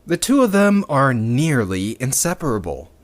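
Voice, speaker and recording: A man playing a bitter, sardonic rebel in an audio drama, addressing listeners with dramatic pauses and pointed, sweary emphasis. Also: mid-range voice, big pitch swings, natural voice. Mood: wry, scornful. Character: bitter, sardonic male rebel recounting a dystopian future.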